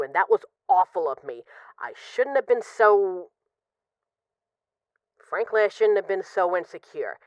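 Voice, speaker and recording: A woman playing an apologetic, lovesick mafia boss who is guarded but vulnerable, speaking haltingly and confessionally in an intimate audio roleplay phone call. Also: fairly low pitch, clean tone, dry recording. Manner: halting, confessional, with pauses and sighs.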